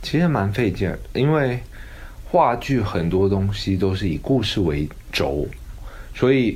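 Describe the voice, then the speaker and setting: Very wide pitch swings mark this man's fairly low voice as he speaks at a fairly slow pace with long, frequent pauses, in audible room echo. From Taiwan. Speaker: theatre actor and director. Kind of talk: casual interview chat.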